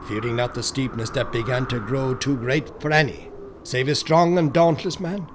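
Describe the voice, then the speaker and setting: A man's voice: medium pitch, slight background noise. A man narrating a scripted horror audiobook in a solemn, theatrical storytelling manner.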